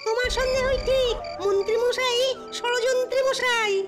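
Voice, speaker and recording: A curious young village child, full of questions, as a woman voices them. The voice is extremely high, with music clearly under it. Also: steady tone, normal speed. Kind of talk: cartoon voice acting.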